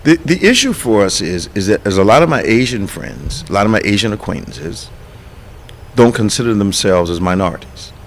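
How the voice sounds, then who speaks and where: A man who pastors a church and hosts a radio talk show, speaking emphatically, restarting words as he builds to sharp indignant peaks. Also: lowish voice, sing-song, moderate pace, slight background noise. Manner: repeats and restarts words while building a point.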